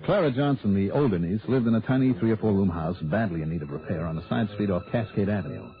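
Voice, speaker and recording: A man's voice: lowish voice, animated, quick pace, soft background music. An actor playing a wry, skeptical male insurance investigator who also narrates in first person, in 1960s radio drama style. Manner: dry, wisecracking, skeptical. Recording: tinny old radio broadcast.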